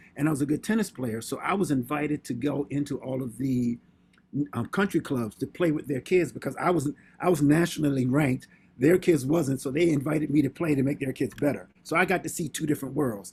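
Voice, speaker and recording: Speaking in a somewhat breathy voice with an American accent, a man uses a fairly high pitch, ordinary pitch variation and a fairly quick pace. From US South. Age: 60s. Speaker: performer and dancer. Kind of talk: panel discussion. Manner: halting.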